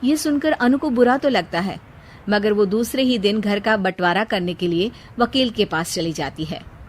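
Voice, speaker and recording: A woman giving scripted narration for a moral bedtime story, in an even storytelling manner. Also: medium pitch, moderate pace, a little hiss or hum.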